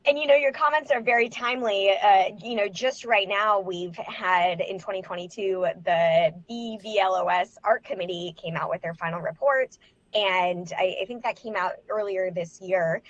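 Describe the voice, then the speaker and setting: A woman guest on a live panel, explaining points in an informative, measured way. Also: mid-range voice, dry recording. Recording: lo-fi remote call with faint noise.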